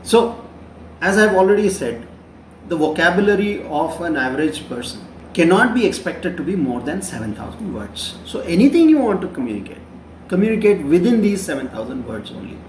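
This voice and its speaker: A man's voice: a little high, big pitch swings, fairly quick, a little hiss or hum. A man in his fifties with an Indian English accent, giving a classroom lecture on journalism, explaining patiently and repeating key phrases. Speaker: journalism professor. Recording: roomy echo, voice from a distance.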